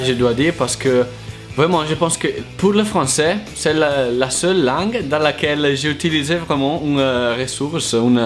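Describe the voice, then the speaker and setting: An Italian man talks in a second language, with an Italian accent and a halting, searching delivery. He pauses often and restarts his sentences while his voice sits at a middling pitch. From Italy. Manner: hesitant, many fillers and restarts. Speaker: language learner vlogger. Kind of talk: casual thank-you monologue.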